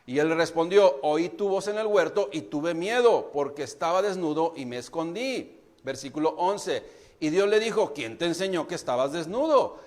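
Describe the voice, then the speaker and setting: Male pastor, Mexican Spanish accent, high voice, preaching straight to the church. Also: expressive, normal speed, darkish tone. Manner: preaching, addresses the congregation directly. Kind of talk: sermon.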